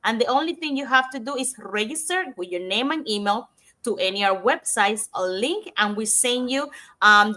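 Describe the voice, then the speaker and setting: Bright-voiced woman co-host from Cuba. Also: mid-range voice. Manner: reads lists of names and details, slightly halting. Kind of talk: online talk show.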